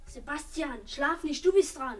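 A performer in a German children's radio play voicing an organised schoolboy who instructs his friends in a brisk manner. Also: sits high, darkish tone, a little hiss or hum. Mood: directing.

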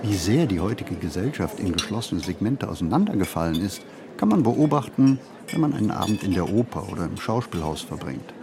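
An actor playing a reflective ageing writer in a literary radio play monologue, phrasing in a measured, deliberate way. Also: male voice, low voice, sing-song, creaky, over music, exaggerated voice. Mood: sombre, observant. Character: reflective ageing male writer recalling a poor childhood.

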